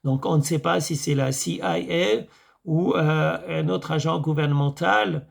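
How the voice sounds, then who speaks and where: A hoarse man with a French accent, from France, rambling casually to camera about a film, full of fillers and restarts. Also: fairly high pitch, measured pace. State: hoarse, voice tiring. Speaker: YouTube vlogger reviewing films.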